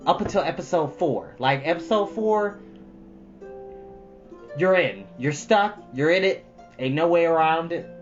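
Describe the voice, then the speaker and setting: Man chatting casually over guitar music. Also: a little high. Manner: emphatic, repeats phrases for effect; informal, folksy y'all. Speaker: storytime stream host. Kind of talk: casual chat to live viewers. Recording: dull lo-fi audio, loud music.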